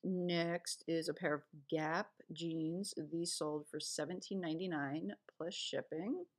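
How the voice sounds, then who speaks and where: A woman with a low-set voice talks casually over a screen recording, listing what she sold. She rambles a little, trailing off and correcting herself as she goes. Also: steady tone, a little slow. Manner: chatty, rambling with fillers and self-corrections. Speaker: online reseller.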